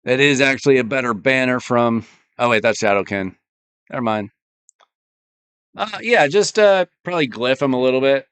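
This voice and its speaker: A man live-streaming a game, thinking aloud in a relaxed, casual way while his voice is going. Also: medium pitch, moderate pace, pauses often, smooth, no room sound. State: losing his voice.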